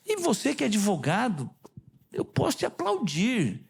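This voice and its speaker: A man's voice: sits high, moderate pace, gravelly, slightly rough. A man with a Brazilian Portuguese accent preaching a sermon as a pastor, who puts questions to the congregation and retells conversations. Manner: animated, quizzes the congregation with questions. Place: church sanctuary.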